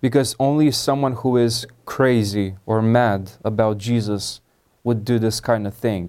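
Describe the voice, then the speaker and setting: The speaker has a Romanian accent. The pace is fairly slow, with fairly even intonation. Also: man, medium pitch for a man. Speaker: podcast host. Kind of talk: interview.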